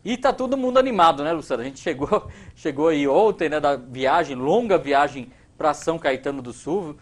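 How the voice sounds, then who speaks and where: A man in his thirties from Brazil, a TV news anchor reading sports results in a relaxed, chatty way in a studio. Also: on the high side, moderate pace. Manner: relaxed, conversational, many fillers.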